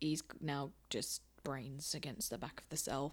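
Here a woman speaks. She goes at a very slow pace. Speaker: podcast co-host and tabletop roleplayer. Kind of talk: casual chat, recorded podcast banter.

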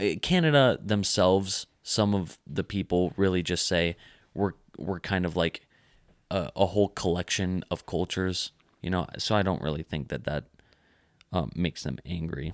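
On a very clean recording with a silent background, a man talks at a moderate pace in a very deep, low voice with vocal fry. The sound is dry and close, with no echo. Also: ordinary pitch variation. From United States. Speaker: podcast co-host. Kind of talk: casual chat.

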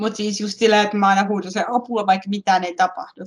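Speaking at a medium pitch with fairly even intonation, a woman uses an ordinary speaking voice. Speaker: podcast host with epilepsy. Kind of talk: casual chat.

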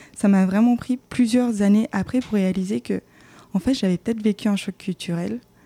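Somewhat breathy and dark, mellow in tone, a woman speaks at medium pitch with ordinary pitch variation. Her moderate pace comes through a dry, close sound with no echo. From Japan and Montreal, French schools. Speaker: podcast guest. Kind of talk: casual interview. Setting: guest's home. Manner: hesitant with fillers.

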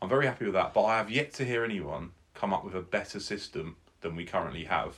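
At a fairly quick pace, a man with a British accent speaks in a fairly low pitch. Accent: British English, informal. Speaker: podcast co-host. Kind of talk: casual banter chat.

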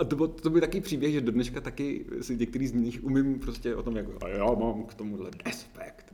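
Over noticeable background noise, a man at medium pitch talks at a fairly quick pace with lively intonation and hardly any pauses. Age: 40s. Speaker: professor of pathology. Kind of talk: interview.

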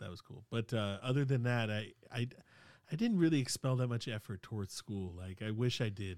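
An unremarkable speaking voice from a man, medium in pitch with ordinary pitch variation, fairly quick in pace, big swings in loudness, on a very clean recording with a silent background. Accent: American. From California. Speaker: filmmaker telling his life story.

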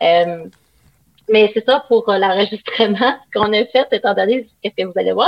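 A woman with a slight Saguenay accent. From Quebec, Lac-Saint-Jean / Saguenay. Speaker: metal singer and voice actor. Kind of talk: casual chat.

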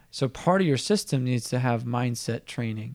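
An American accent in a very clean recording with a silent background. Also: man. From Utah and central California. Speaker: sales trainer and entrepreneur. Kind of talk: podcast interview. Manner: animated.

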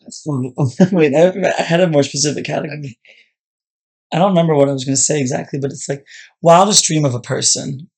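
A man with an American accent and a somewhat breathy, fairly high voice talks at a fairly quick pace with ordinary pitch variation, leaving long, frequent pauses. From Maryland, US (Annapolis). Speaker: podcast guest, recent graduate. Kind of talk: casual chat. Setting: childhood bedroom, in person.

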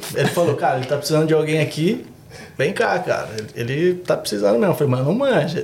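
Over noticeable background noise and audible room echo, a man speaks at a very fast pace with very even loudness. His fairly high voice has lively intonation. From Americana, São Paulo state, Brazil. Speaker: pagode musician. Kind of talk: casual chat.

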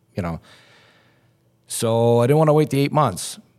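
A man speaks at a fairly quick pace with a medium pitch. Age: 50s. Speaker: detention deputy. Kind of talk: casual interview.

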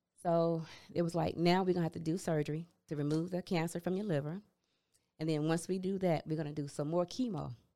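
A woman with an Alabama accent, a fairly low pitch and a dark, mellow tone, at a very fast pace with fairly even intonation, on a very clean recording with a silent background. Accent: Southern US (Alabama). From Phenix City, Alabama (US South). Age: 50s. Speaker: cancer survivor, insurance worker. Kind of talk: testimony.

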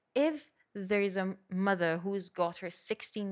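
This woman speaks at a medium pitch with a Welsh accent. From Wales. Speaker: doctor. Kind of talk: casual chat.

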